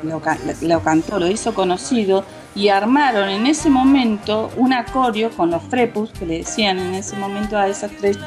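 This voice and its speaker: A woman's voice: medium pitch, moderate pace, few pauses, darkish tone, soft background music. A woman with an Argentine Spanish accent, co-hosting a casual chat and telling anecdotes with many hesitant restarts. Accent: Rioplatense Spanish. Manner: storytelling, hesitant with fillers and restarts. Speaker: co-host.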